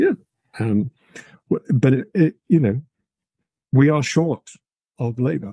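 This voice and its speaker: A man with a British accent at medium pitch, a dark, mellow tone, ordinary pitch variation and moderate pace, recorded dry and close with no echo. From England. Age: 60s. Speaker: historian and professor. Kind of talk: interview conversation. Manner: hesitant, many fillers.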